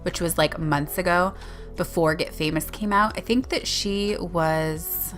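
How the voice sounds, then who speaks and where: A woman's voice: on the low side, unhurried, fairly bright tone, soft background music. A woman giving a casual, rambling voiceover for a video game build, with many small self-corrections. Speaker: Sims YouTuber narrating a speed build.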